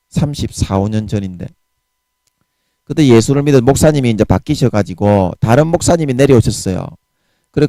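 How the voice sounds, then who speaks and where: A man's voice: mid-range voice, dark tone, no room sound. A man in his forties with a Gyeongsang Korean accent, preaching a sermon in a fiery, blunt way laced with harsh curses. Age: 40s.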